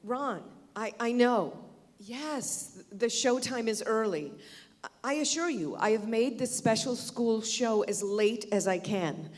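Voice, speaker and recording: A woman's voice: fairly high pitch, animated. A woman playing a persuasive, hopeful yet frustrated arts education director in an earnest, emphatic stage monologue. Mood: coaxing, persuasive. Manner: earnest, emphatic, deliberate phrasing. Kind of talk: theatrical monologue, dramatic stage reading. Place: reverberant indoor hall at a live reading. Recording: echoey hall, music behind.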